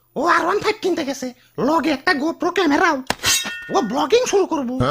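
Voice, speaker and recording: This is a high-pitched, cartoonish character voice. It moves at a moderate pace. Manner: chatty, deferential.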